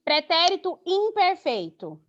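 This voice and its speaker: A woman's voice: very high-pitched, wildly swooping pitch, takes it slowly. A young woman teacher with a Goiás Brazilian Portuguese accent, teaching an online class to children and explaining by asking and answering her own questions. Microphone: video call. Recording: dull lo-fi video call audio.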